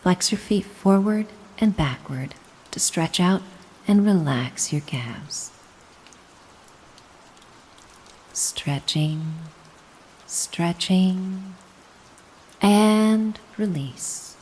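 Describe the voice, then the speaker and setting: A woman playing a gentle, doting, mysterious caretaker in a soothing hypnosis roleplay, coaxing and reassuring the listener. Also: on the low side, lively intonation, extremely slow, husky, exaggerated voice, poor audio. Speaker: hypnosis audio performer.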